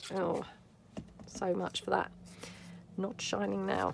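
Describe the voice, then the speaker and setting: The speaker has a British accent. She is a woman. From UK. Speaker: crafting YouTuber. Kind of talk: casual crafting tutorial chat. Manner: chatty, filler-heavy. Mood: relaxed, chatty.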